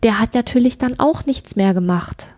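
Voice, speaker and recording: Middle-aged woman, slightly high pitch, mellow tone, emphatic conversational delivery, rhetorical questions. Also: moderate pace, no room sound, studio quality. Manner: emphatic, repeats phrases, lists examples, rhetorical questions. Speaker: podcast co-host. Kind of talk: casual conversational discussion.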